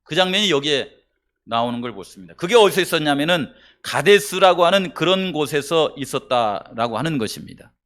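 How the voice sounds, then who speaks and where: A man preaching a sermon to his church congregation. His voice sits fairly high for a man. He talks in a conversational way, tossing questions to the listeners, and swings between loud emphatic bursts and low, quiet asides. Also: lively intonation, fairly quick. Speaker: pastor.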